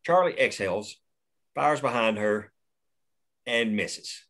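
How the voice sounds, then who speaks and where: A man reading the action lines of a screenplay aloud at a table read, steady and plain. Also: medium pitch, slow pace. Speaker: narrator reading stage directions.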